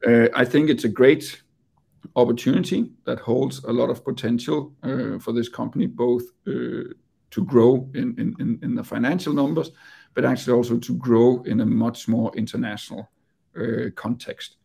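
Danish businessman presenting to investors on a video call; raspy, gravelly voice, halting delivery. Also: mid-range voice, steady tone, warm tone. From Denmark. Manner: hesitant, repeats words while speaking. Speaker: company executive.

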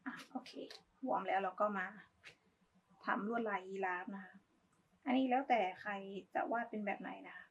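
A woman's voice: mid-range voice, normal speed, breathy edge, dull audio. A woman giving a casual, polite step-by-step craft tutorial, talking as she demonstrates. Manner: informal, polite, talks while demonstrating.

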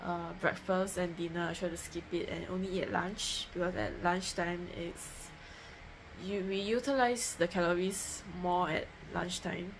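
A young woman's low, steady, unhurried voice carries her casual diet vlog, filmed indoors at home with her phone held close at arm's length. She rambles matter-of-factly, often using fillers and restarting sentences, and the phone audio is noisy.

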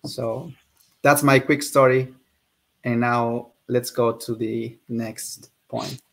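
A young man who grew up in Peru hosts a casual interview over a video call. His voice sits at a plain middle pitch, and he keeps things friendly and easygoing. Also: steady tone, slow, gravelly, a bit bright. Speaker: interview host.

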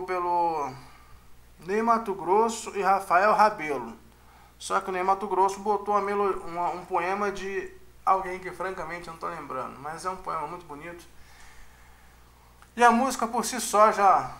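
Chatty high-voiced man teaching music. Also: a bit bright, echoey room. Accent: Brazilian Portuguese. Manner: chatty, checks in with "né?" and "tá?". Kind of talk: casual explanatory lecture.

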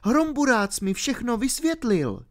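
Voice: medium pitch, big pitch swings, pitched above the performer's own voice, lightly acted. A reader voicing a ten-year-old girl, bold and determined, speaking eagerly and insistently in a storybook reading.

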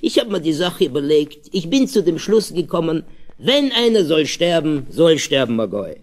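A man's voice: fairly high pitch, very animated, normal speed. A man voicing a fretful dying old man who speaks plaintively and hesitantly.

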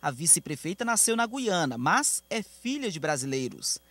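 A man reporting in a measured, scripted news narration. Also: fairly high pitch, very animated, a bit bright.

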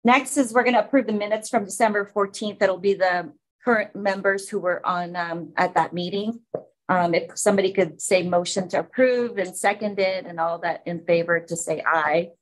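A woman's voice: mid-range voice, normal speed, poor audio. A woman from the Philippines facilitating a public city commission meeting, explaining informally with many fillers.

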